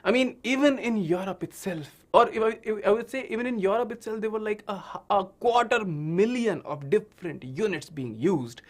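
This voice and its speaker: A man's voice: high-pitched, moderate pace, few pauses. A man with an Indian accent and Hindi as his native language, teaching children science in a dramatic storytelling way with frequent check-in questions. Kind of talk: animated online lesson for children.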